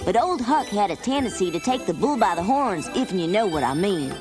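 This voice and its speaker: A woman's voice: medium pitch, very animated, a little fast, close to an everyday voice. A woman voicing a mischievous, folksy young boy with a Southern US accent in a cartoon. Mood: wry storytelling. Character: mischievous, folksy young boy, Tom, narrating his adventures. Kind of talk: animated cartoon dialogue and narration. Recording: music behind the voice.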